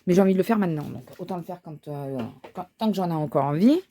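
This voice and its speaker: A woman's voice: fairly low pitch, fast talker, dark tone, a little hiss or hum. A woman thinking aloud as she crafts, talking casually with frequent fillers and restarts. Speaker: crafting vlogger. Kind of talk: casual chat while crafting.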